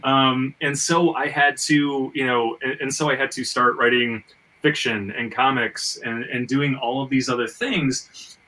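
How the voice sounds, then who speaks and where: A man with a sharp, bright voice hosts a casual panel discussion. He works through his points aloud, often doubling back and stammering on small words. He sounds a little removed from the microphone. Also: medium pitch, fairly even intonation, measured pace, recorded from a distance, low-quality recording. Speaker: podcast host; screenwriter and fiction writer. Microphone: video call.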